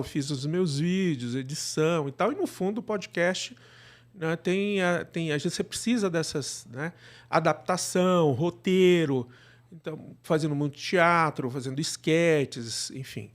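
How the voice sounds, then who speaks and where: Higher-voiced Brazilian man, chatty and discursive. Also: a little slow. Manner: discursive, peppered with tag questions. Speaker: interview guest, actor and podcast producer. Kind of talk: casual conversational storytelling.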